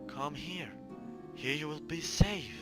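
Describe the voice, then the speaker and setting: Guy doing a mysterious girly princess voice, soft n coaxing, way up high, music playing behind. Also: slow. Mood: eerie coaxing. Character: mysterious soft gentle female voice, like a fairy-tale princess.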